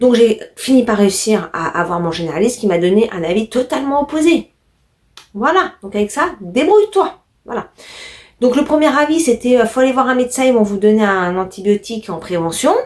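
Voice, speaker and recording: Very wide pitch swings from a woman with a fairly high voice. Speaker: knitting vlogger. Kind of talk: casual vlog chat. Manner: fast; hesitant with many fillers.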